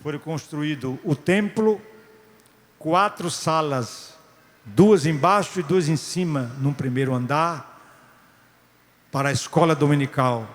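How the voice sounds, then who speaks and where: A man's voice: fairly high pitch, takes it slowly, long pauses. A male pastor, telling a missionary testimony in a sermon with restarts and rising exclamations. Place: large church hall. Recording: long church-hall reverb.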